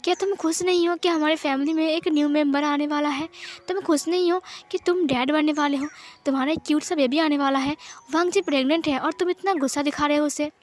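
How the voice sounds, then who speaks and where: A woman's voice: high-pitched, steady tone, fairly quick, close to an everyday voice. A woman voicing a worried, caring middle-aged mother who coaxes her son. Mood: concerned. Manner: coaxing and concerned.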